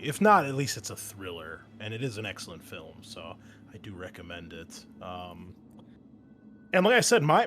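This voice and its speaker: A man's voice: lowish voice, a little hiss or hum. A man speaking as host and game master of a tabletop roleplaying session, in an informal, conversational way. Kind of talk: casual chat and recapping a tabletop game.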